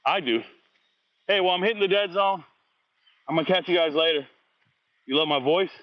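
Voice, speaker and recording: A man's voice: on the high side, normal speed, no room sound, muffled recording. A man running a football recruiting vlog, casually answering viewer comments with blunt, slangy trash talk after a workout. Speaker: high school football recruiting vlogger.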